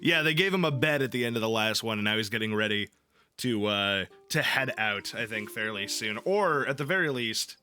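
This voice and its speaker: Bright-voiced man, playful streamer. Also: on the low side, animated, normal speed. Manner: playful, irreverent, profane, jokey. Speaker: livestream host reading aloud to an audience. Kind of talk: casual livestream chat and live reading of epic poetry. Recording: background music under the voice. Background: ambient background music.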